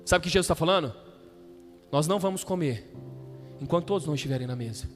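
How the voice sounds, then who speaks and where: A man's voice: on the high side, lively intonation, fast talker. Man, pastor preaching, call-and-response, faint music, long hall reverb. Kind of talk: sermon. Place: church hall.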